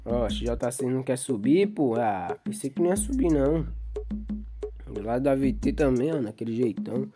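A man's voice: mid-range voice, animated, moderate pace. A young Brazilian man with a Brazilian Portuguese accent casually narrating his gameplay, rambling in street slang and hyping up his viewers. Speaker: gaming YouTuber. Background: game music.

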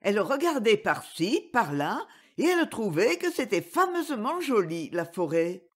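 A woman reading a fairy tale aloud for children, gentle and expressive. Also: mid-range voice, moderate pace, slightly rough. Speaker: audiobook reader.

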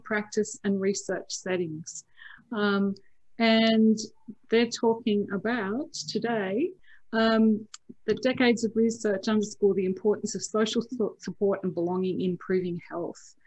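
A woman with a croaky morning voice, chairing a conference session over a video call and reading out the introduction with fillers. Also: mid-range voice, darkish tone, dry recording, low-quality recording.

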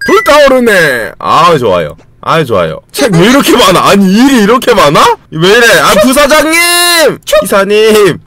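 A young man streams a game and comments casually in a bright, sharp voice that leaps all over in pitch. He reads on-screen text flat and low, then bursts into yelling and swearing. His close desk mic picks up faint noise and mouse clicks. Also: normal speed, hardly any pauses. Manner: excitable, yells and swears at the game.

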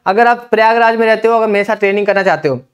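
A man's voice: high-pitched, racing, clean tone. A young man coaching exam candidates at a whiteboard, giving instructions and often checking in with "theek hai". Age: young adult. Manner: instructive, repeats "ठीक है" often. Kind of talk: whiteboard lesson. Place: indoor classroom at a whiteboard. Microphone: lapel mic.

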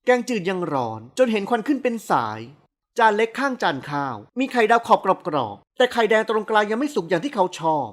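A man reads an audiobook novel aloud in a calm, measured way. His voice moves freely up and down, and his delivery is steady. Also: high-pitched. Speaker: audiobook narrator. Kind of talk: scripted narration.

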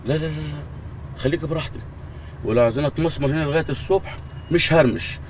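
A man's voice: a little high, quick pace, close to an everyday voice. An actor playing a loyal, deferential male servant who speaks with an Egyptian Arabic accent. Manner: deferential, earnest. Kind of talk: TV comedy drama acting. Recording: distant voice with faint outdoor noise.

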